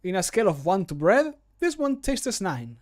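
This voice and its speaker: Man acting a flamboyant game glutton, pitched a little high, theatrical and self-satisfied, stretching out phrase endings. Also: big pitch swings. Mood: playfully grand. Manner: flamboyant, declamatory, drawn-out endings. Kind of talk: video game voice-line recording.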